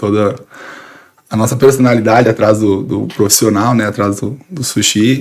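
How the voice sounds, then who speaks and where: A man's unremarkable speaking voice, fairly low in pitch, with fairly even intonation and a moderate pace. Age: 20s. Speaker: sushi chef. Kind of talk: podcast interview.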